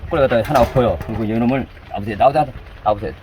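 A man's voice: medium pitch, very fast. A male cooking channel host giving a hands-on demonstration, repeating each step aloud as he works. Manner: repetitive running commentary while working, chanting instructions. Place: indoors with downpour outside. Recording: heavy rain noise behind the voice.

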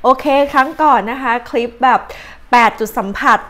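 Casting: young Thai woman, chatty advice vlogger, slightly high voice. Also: normal speed, bright, forceful tone. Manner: chatty, uses many fillers and polite particles. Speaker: channel host, astrology and advice vlogger. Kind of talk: casual chatty explainer, translating tips.

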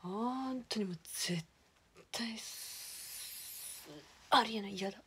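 A young woman, chatting casually as a streamer, ranting with animated indignation and dropping into whispered asides. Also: mid-range voice, moderate pace, a little hiss or hum. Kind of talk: casual chat.

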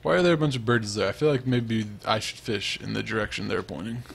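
A man's voice: lowish voice, fast, vocal fry, a little hiss or hum. A young man giving casual, rambling, self-mocking commentary as he plays a farming video game. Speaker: let's play host.

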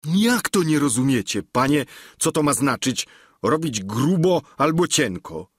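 A man voicing an excitable peasant squire. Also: on the high side, a little slow, husky, dry recording, clean studio sound, heavily acted. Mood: exasperated. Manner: pleading, insistent, excitable. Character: simple talkative peasant squire, older man.

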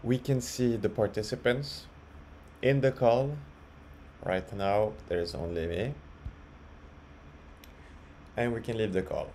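Slow, low-voiced man giving a tutorial. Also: darkish tone. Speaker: software tutorial presenter. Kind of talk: casual screen-share walkthrough. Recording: clearly audible background noise.

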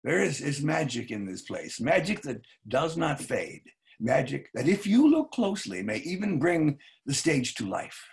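An older man playing a wary, reflective novelist in a staged reading, speaking deliberately with some hesitation. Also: fairly high pitch, big pitch swings, gravelly, full character voice. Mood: wistful, dramatic. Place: home study, video call.

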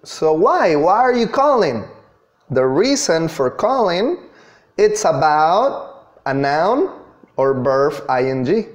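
Slow, high-pitched male English teacher. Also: sing-song, muffled recording. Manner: deliberate, instructional, emphasising key words. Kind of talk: online grammar lesson, explanatory. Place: small indoor room.

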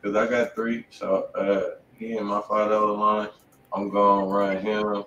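Man, thirties, low voice, laid-back slang, headset mic, roomy room, faint hum. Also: level tone, unhurried, distant mic, highs cut off. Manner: laid-back slangy banter, swears freely. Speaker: host. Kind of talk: casual livestream chat.

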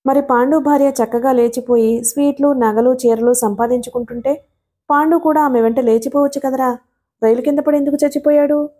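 A woman voicing an innocent, soft-hearted little schoolboy who speaks with pity. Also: on the high side, flat delivery, brisk, close to an everyday voice. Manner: innocent, pitying.

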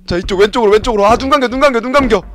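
A man giving loud, yelping gameplay commentary as a game streamer, shouting quick repeated commands and laughing often. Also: extremely high pitch, soft background music.

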